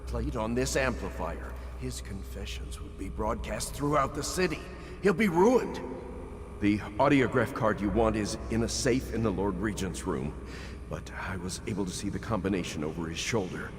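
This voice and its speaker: A man's voice: lowish voice, animated, close to an everyday voice. A man playing a frightened servant who pleads. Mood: urgent. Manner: pleading, hurried and anxious. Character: frightened male servant begging for his life. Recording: long reverb with loud ambient noise.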